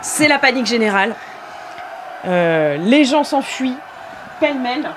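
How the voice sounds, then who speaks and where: Against some background noise, a woman with a slightly high voice and lively intonation narrates at a measured pace as game master of an improvised tabletop game. She hesitates often, leans on filler sounds, and keeps laughing.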